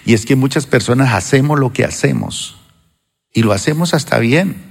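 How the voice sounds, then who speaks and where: Gravelly-voiced male pastor preaching in a hall. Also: mid-range voice, expressive. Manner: retells a story with quoted dialogue, rising emphatic and slowing to a drawn-out hush. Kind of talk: sermon. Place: church sanctuary.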